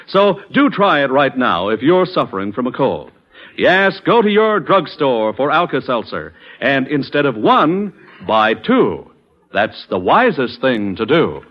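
A man announcing a 1940s radio commercial with polished, emphatic salesmanship. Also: on the high side. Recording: muffled 1940s radio broadcast.

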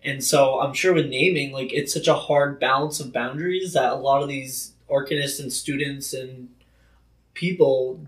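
A man's voice: medium pitch, steady tone, normal speed. Enthusiastic man in a roomy room. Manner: loose, enthusiastic, heavy use of "like". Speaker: book discussion co-host. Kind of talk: casual chat.

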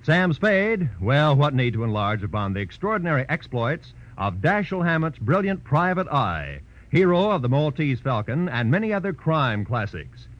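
A man's voice: a little high, sing-song, normal speed. A man with an American accent reading grand, emphatic scripted announcements in vintage radio style. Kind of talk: 1940s-50s radio announcing, scripted promo. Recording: muffled vintage radio recording.

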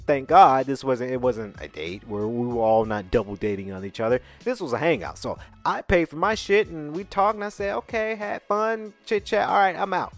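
Chatty man in his twenties, lively pitch. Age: 20s. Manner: chatty, keeps asking "right?"; blunt, profane. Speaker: podcast co-host. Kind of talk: rambling casual monologue.

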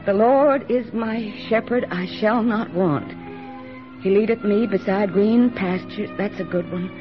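A woman playing a calm army nurse lieutenant. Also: a little high, natural voice. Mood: strained. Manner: steady, soothing, plain-spoken. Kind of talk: 1940s radio drama acting and first-person narration. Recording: dull old radio broadcast with music.

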